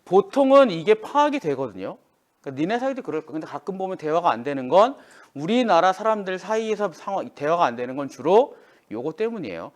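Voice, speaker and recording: A man's voice: high voice, brisk. A man teaching a classroom lesson, speaking informally to students and acting out quoted lines. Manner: lively, acts out quoted lines. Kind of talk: classroom lecture.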